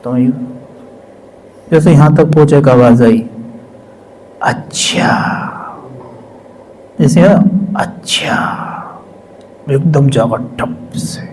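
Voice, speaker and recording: A man's voice: medium pitch, slight background noise, poor audio. Man telling a spiritual testimony. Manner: storytelling with dramatic pauses, repetitions and shifts between hushed and excited. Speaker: spiritual community member sharing his experience. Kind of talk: emotional personal testimony.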